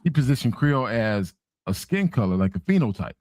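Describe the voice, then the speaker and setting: A man's voice: medium pitch, very animated, a little fast, darkish tone, dry recording, studio quality. A man from Haiti telling a story in a casual online panel chat, laughing as he goes.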